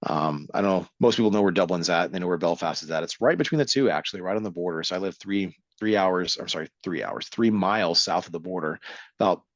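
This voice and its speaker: Deep-voiced man with a mixed accent. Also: fast, dry recording. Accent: mixed American, English and Irish. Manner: rambling, self-correcting, wry. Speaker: interview guest. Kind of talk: casual storytelling interview. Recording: dull dry sound.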